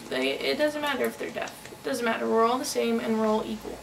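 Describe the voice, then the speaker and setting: A woman voicing an interpretation of a signed personal account in halting phrases, recorded on a noisy, distant microphone. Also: a little high, fairly even intonation, gravelly. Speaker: sign-to-voice interpreter.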